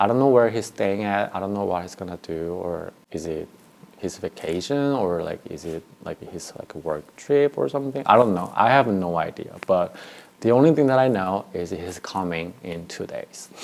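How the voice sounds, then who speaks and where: With a Korean accent and a calm tone, a man talks at a moderate pace in a fairly low pitch, his intonation lively and his loudness swinging widely. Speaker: drag queen vlogger. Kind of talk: casual vlog storytime. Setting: home office. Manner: hesitant.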